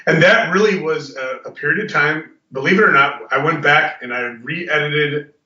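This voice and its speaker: A man's voice: on the high side, moderate pace, pushed and bright. A man being interviewed as a guest author, chatting with stumbling restarts. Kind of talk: casual interview. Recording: roomy, distant, lo-fi audio.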